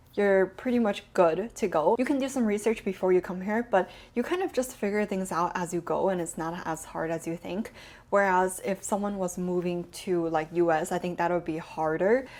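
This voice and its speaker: In a very clean recording with a silent background, a woman speaks at a moderate pace, her medium pitch showing ordinary variation. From US, Cantonese-speaking family. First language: Cantonese. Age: 20s. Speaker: vlogger. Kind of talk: Q&A vlog.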